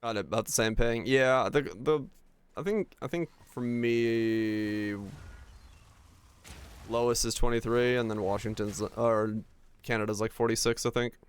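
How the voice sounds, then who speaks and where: A man's voice: medium pitch, steady tone, a little slow, clean tone. A young man from Finland with a neutral North American accent, chatting casually and ramblingly with his stream viewers and swearing now and then. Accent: neutral North American English. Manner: laid-back, rambling, swears casually, restarts often. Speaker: game streamer.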